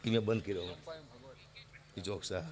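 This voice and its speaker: A middle-aged man, an animated folk comedian telling stand-up jokes at a gathering and shouting his punchlines. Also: fairly low pitch, normal speed, crowd noise.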